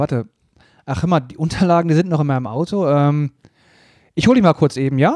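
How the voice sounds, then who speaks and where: A man with a fairly high pitch and a dark, mellow tone speaks at a moderate pace with ordinary pitch variation and long, frequent pauses, the sound dry and close with no echo over a quiet background. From Essen, Ruhr area. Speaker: freelance .NET developer. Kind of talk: casual chat.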